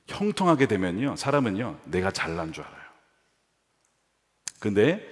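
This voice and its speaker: A man preaching a sermon as pastor, asking the congregation rhetorical questions and swinging between emphatic lines and hushed ones. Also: lowish voice, big pitch swings, normal speed. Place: large church sanctuary. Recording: long hall reverb of a church.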